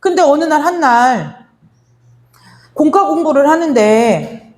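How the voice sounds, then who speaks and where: A woman's voice: sits high, animated, slow pace, a little mellow. A middle-aged woman pastor preaching a sermon, telling a story to her congregation and acting out its lines of dialogue as she speaks to them directly.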